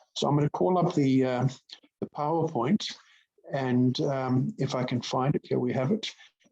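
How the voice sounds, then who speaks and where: Ordinary pitch variation marks a man's dark, mellow tone at medium pitch. He keeps a moderate pace and very even loudness. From Canada. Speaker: law professor. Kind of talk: academic lecture. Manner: hesitant, with frequent fillers.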